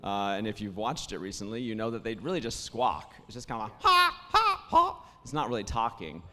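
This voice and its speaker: A man who is a voice actor, hoarse after days of talking, telling stories in casual panel conversation with plenty of restarts and fillers. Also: lowish voice, wildly swooping pitch, normal speed, big-room sound. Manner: warm storytelling, many restarts and fillers.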